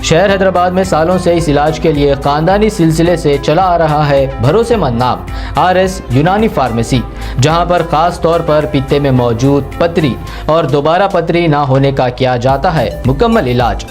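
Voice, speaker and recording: A man's voice: a little high, normal speed, a little mellow. A man reading scripted promotional narration as an advert voice-over announcer. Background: music.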